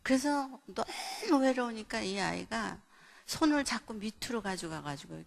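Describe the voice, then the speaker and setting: Woman, middle-aged, pastor, sermon, gravelly voice, acts out dialogue, church hall. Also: fairly high pitch. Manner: animated storyteller, acts out dialogue with big swings in loudness. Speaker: pastor and seminar speaker. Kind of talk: sermon with storytelling. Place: church hall at an evening revival meeting.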